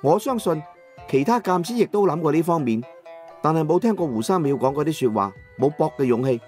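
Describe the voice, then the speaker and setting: A man narrating an audiobook in the first person in Cantonese, with colloquial, expressive dramatic storytelling. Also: fairly high pitch, brisk, faint music behind.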